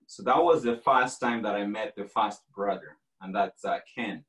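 A man in his forties, originally from Kenya, telling his story as a guest in a relaxed, rambling podcast conversation. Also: lowish voice, normal speed, reverberant, recorded from a distance. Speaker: franchise owner guest.

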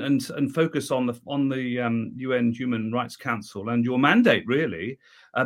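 A man's voice: medium pitch, a bit bright. A man hosting a live interview, forming his questions in a wordy, hesitant way and repeating words as he goes. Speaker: host, interviewer.

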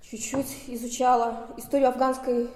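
Woman interviewer, highish soft-toned voice, casual chat, really echoey hall. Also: little pitch movement, moderate pace. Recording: echoey hall with long reverb.

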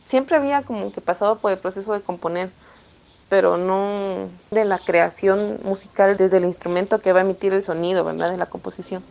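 A woman's voice: medium pitch, fairly quick, vocal fry, darkish tone, lo-fi sound. A woman from Guatemala with a Guatemalan accent, explaining her work making clay wind instruments in a thoughtful, explanatory way. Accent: Guatemalan Spanish. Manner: thoughtful, explanatory, with tag questions. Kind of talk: interview, explaining her craft.

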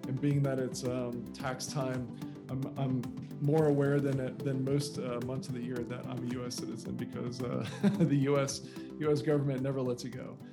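A man's voice: medium pitch, little pitch movement, normal speed, vocal fry, loud music behind the voice. A man in his forties with an American accent, telling his story as an interview guest and often repeating and restarting words. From United States. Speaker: guest, software founder.

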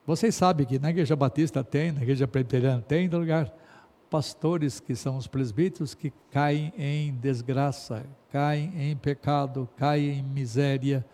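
Speaking at a medium pitch, the Brazilian Portuguese-accented pastor, a middle-aged man, exhorts his listeners emphatically. He moves from loud stresses to quiet asides, his sermon echoing with long hall reverb.

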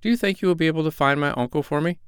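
A man voicing a frightened, polite little boy in a storybook, in a high, childlike, pleading voice. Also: racing, clear, resonant tone, dry recording, studio quality, natural voice. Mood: earnest, worried.

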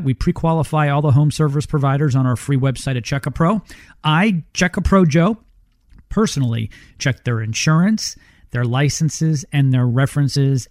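Middle-aged man, infomercial-style radio pitch, dry sound. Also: darkish tone, dry recording. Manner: salesy, rhetorical questions, repeats phone numbers. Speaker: radio show host and ad reader. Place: radio studio.

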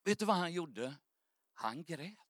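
A man's voice: a little high, big pitch swings, no echo, clean studio sound. A man preaching a sermon, telling an earnest, emotional story as testimony.

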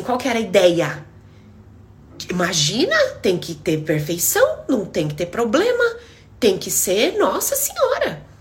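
A middle-aged Brazilian woman, a therapist talking on a casual live stream, blunt and emphatic, acting out bits of dialogue. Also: medium pitch. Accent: Brazilian Portuguese.

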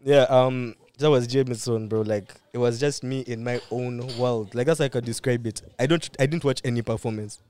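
A man's voice: medium pitch, moderate pace, few pauses, mellow, clear, resonant tone. A man, chatting and telling stories casually as a podcast co-host in laddish London-influenced street slang. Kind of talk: casual chat, storytelling.

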